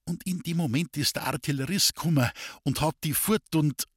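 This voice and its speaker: A man voicing an earnest young male fisherman with a Bavarian accent, in a husky, pleading voice. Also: fairly high pitch, moderate pace, dry recording, clean studio sound, pitched above the performer's own voice. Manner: earnest, pleading dialect speech.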